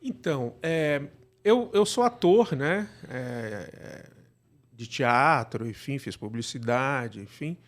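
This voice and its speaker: A man's voice: medium pitch, lively intonation, slow. A middle-aged Brazilian man speaking as an interview guest, casually telling his story in a discursive way with frequent tag questions. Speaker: interview guest, actor and podcast producer.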